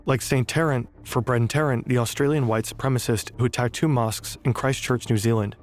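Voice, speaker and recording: A man giving measured, scripted documentary narration. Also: medium pitch, steady tone.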